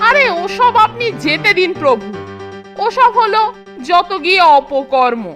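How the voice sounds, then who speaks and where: A very high-pitched cartoon schoolboy, cheeky and full of schemes. He speaks with sly confidence, and music plays clearly behind him. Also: sing-song, a little slow, a bit bright, full character voice. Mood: mock-polite. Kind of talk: Bengali children's cartoon voice acting.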